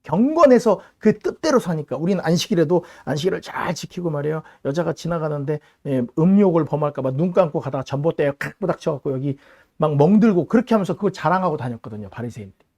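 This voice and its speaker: A pastor delivering a sermon, retelling a Bible story in an animated way and acting out the voices of the people in it. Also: male voice, on the high side, quick pace.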